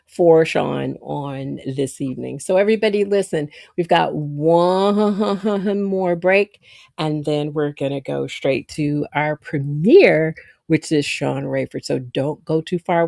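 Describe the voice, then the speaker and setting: A woman's voice: deep voice, unhurried, creaky, darkish tone, no echo, studio quality. A woman hosting a casual live online interview show, effusive and chatty. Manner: bubbly, effusive, laughs often. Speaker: host.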